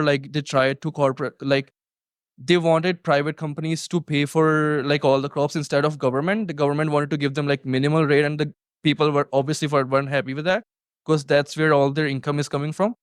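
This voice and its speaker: A man's voice: fairly high pitch, level tone, brisk, clean tone, no room sound. Young male student, hesitant casual answers, very dry, clean voice. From Punjab, India. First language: Punjabi. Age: young adult. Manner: hesitant, many fillers and restarts. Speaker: student interviewee.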